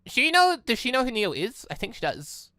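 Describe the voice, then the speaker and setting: A man hosting a let's play, rambling excitably and thinking aloud in casual commentary. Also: extremely high pitch, moderate pace, no room sound, clean studio sound. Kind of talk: casual game commentary with read-out dialogue. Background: faint music.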